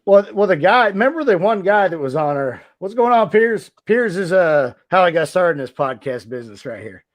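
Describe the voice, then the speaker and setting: Man, slightly high voice, close dry sound, casual podcast chat, joking and self-mocking. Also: big pitch swings, normal speed, no echo, muffled recording. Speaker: podcast host, former wrestler.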